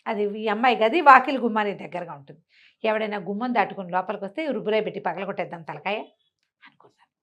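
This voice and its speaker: An older woman telling a village folk tale, slipping into the characters' voices as she goes. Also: fast talker. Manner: acts out characters' lines with lively pitch swings. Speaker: storyteller. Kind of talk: animated folk-tale narration.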